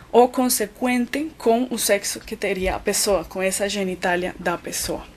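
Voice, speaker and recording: A woman's voice: on the high side, a little hiss or hum. A woman from Colombia, a physician and researcher with a Colombian Spanish accent, giving an academic web lecture with frequent filler words. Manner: thoughtful, many "então" and "é" fillers while explaining.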